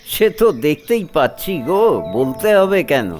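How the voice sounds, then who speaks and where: A man playing a patient, devoted old head of a household in a story, speaking in a measured, gentle but firm way. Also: on the high side, very animated. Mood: mildly amused. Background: music.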